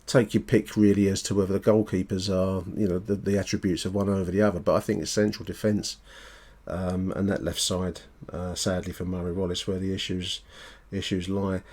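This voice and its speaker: Low-pitched man hosting a football podcast. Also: flat delivery, a little fast, a little mellow. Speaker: football fan podcast host. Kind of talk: conversational football commentary.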